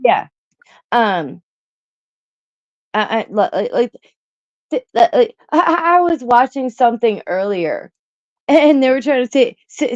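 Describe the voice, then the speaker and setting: A woman's voice: fairly high pitch, no echo. A woman hosting a reaction chat who stutters, repeats words and swears freely. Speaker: host reacting to an interview. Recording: dull lo-fi dry sound.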